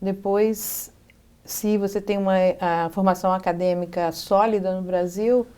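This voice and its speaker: A middle-aged woman from Brazil is answering questions as a guest on a TV interview. Her voice sits at an ordinary middle pitch. She speaks thoughtfully and often pauses mid-sentence to find the right word. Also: steady tone, a little mellow, smooth. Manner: thoughtful, pauses to search for words. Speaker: interview guest, educational psychologist.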